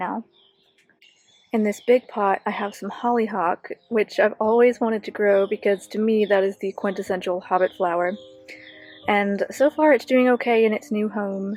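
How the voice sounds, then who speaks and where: Over music in the background, a woman with an American accent speaks at a moderate pace, her medium pitch held in fairly even intonation. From Northwest Georgia, US. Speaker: artist and storyteller. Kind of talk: casual talk to camera. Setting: outdoors, garden.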